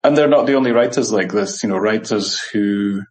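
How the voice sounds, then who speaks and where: A middle-aged man from Scotland with a lowish voice, speaking as a scholar in a relaxed interview. He thinks aloud, pausing on "um" and "you know" and restarting phrases as he goes. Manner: thoughtful, many fillers and restarts. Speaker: scholar and translator, interview guest. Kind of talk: reflective interview conversation.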